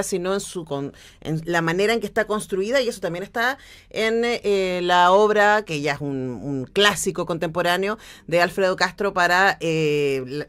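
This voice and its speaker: A Chilean woman hosts a cultural radio interview in a medium-pitched voice. She is engaged and articulate, adding her own comments as she leads into questions.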